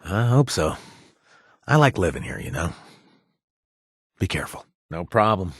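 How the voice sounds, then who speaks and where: A husky, joking ex-raider game companion, low voice, very expressive, dry booth sound. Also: male voice, a little slow, dry recording, full character voice. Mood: caring. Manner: joking, warm and protective. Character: wry ex-raider man, friendly informant. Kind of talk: video game voice lines.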